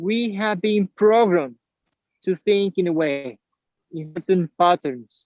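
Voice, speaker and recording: A man talks very slowly with a Spanish accent, leaving long, frequent pauses. His pitch varies in an ordinary way. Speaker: contactee and spiritual group leader. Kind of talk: online group talk. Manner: halting.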